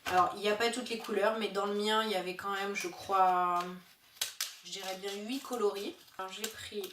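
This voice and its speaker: Chatty woman vlogger, casual and halting, recorded a bit far off in an echoey room with faint hiss. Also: mid-range voice, steady tone. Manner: chatty, hesitant with many fillers. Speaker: beauty vlogger. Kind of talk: casual haul video chat.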